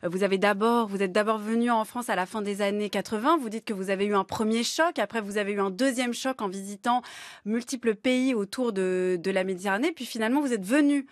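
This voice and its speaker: A woman's voice: medium pitch, brisk, dry recording, studio quality. A woman hosting a radio interview, asking long articulate questions with an occasional filler. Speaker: radio host.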